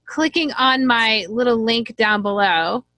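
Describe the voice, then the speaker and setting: A woman's voice: a little high, a little slow, pushed and bright, no echo. A woman hosting an interview, upbeat and chatty, laughing easily. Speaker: interview host. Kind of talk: casual interview chat.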